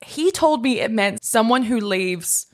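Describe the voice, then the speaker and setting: A young adult woman co-hosting a podcast in casual, playful chat, wry and quick to laugh. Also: on the high side, expressive. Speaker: podcast co-host.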